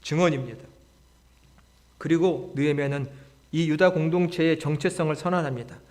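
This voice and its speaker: A man with a fairly high voice delivers a Sunday sermon as pastor. He moves between soft, intimate passages and loud, emphatic exhortations. When he reads scripture he slows down and turns solemn. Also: steady tone. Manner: swells from quiet to loud, emphatic preaching.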